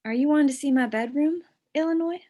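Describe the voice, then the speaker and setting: An actress playing a self-possessed, flirtatious store clerk in a script table read, with a dry, teasing delivery. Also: female voice, high-pitched, fast talker, mellow, close to an everyday voice.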